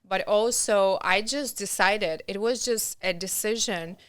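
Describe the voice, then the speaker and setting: A woman in her thirties with a Russian accent, talking earnestly and haltingly as a podcast guest. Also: medium pitch, clear, resonant tone, no echo, studio quality. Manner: earnest, halting, with restarts and non-native grammar. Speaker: podcast guest, nonprofit founder. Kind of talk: conversational interview.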